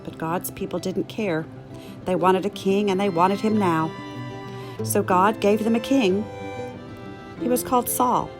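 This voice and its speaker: Lady reading a kids bible storybook, expressive, acts out the lines, music playing behind her. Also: medium pitch. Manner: expressive storytelling with acted dialogue. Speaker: storybook narrator. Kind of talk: scripted children's Bible story narration. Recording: clear music under the voice.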